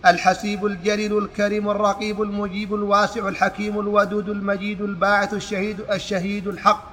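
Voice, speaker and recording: A man reading a religious text aloud in a lesson, with a steady recitation and occasional restarts. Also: sits high. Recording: long hall reverb with faint noise.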